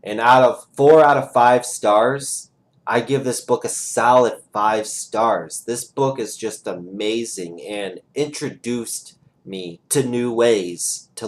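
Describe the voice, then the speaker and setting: A young man at home reviewing a trading book over a webcam, eager and rambling as he talks with his hands. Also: lowish voice. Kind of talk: casual screen-share review. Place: small room at home, indoors.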